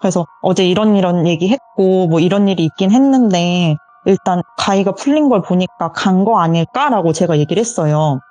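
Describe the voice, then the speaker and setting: A woman's voice: on the low side, normal speed, few pauses, mellow, dry recording. A young woman telling her own ghost story as a caller on an interview show, earnest and quoting others in acted lines. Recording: voice call with faint music behind.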